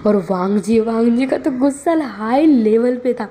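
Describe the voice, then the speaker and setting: A woman's voice: fairly high pitch, unhurried, dark tone. A woman casually narrating a fan-fiction story, rambling with many filler words. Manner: loose retelling with frequent filler words.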